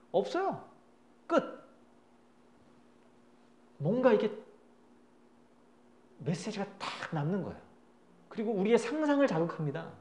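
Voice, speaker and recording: A pastor preaches in an animated, chatty storytelling manner. His voice sits high and swings widely, with a roomy echo around it. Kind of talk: sermon.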